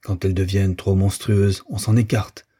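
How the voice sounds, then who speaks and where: A bitter young lover, read by a man narrating a novel, spitting accusations and then turning icily contemptuous. The voice is low, dark and very husky. He sounds wounded and unforgiving. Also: steady tone, normal speed. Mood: cold.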